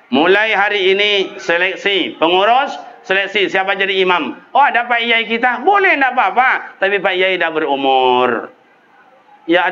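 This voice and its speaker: A man preaching a sermon to a gathering, firing off rhetorical questions and leaping up high in pitch. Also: sharp tone, lo-fi sound.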